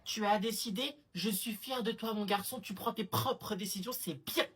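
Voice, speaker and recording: A woman playing a soft-spoken, indulgent mother who gives in to her son with gentle sarcasm. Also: mid-range voice, normal speed, husky, natural voice. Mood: placating. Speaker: comedy sketch creator. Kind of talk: comedy sketch acting.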